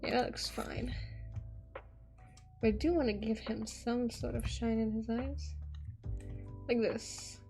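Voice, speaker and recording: A fairly high-voiced woman whose first language is Hungarian chats loosely as she draws, often trailing off and dropping a casual swear. Soft music plays faintly behind her, with keyboard clicks. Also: steady tone, takes it slowly, long pauses. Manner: chatty, rambling, swears casually, trails off mid-sentence. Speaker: artist streamer. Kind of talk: casual commentary while drawing.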